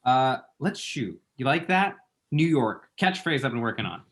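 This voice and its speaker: A man's voice: medium pitch, big pitch swings, moderate pace, a bit bright. A man acting a flamboyant, chatty young gay man with a theatrical, sassy delivery in a comedy table read. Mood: playful.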